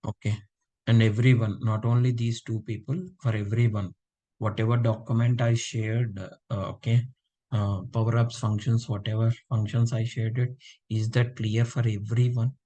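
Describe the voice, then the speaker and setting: A man's voice: on the low side, level tone, moderate pace, dark tone. A man teaching a live online class, feeling unwell and checking in with students often. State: unwell, low voice. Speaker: instructor.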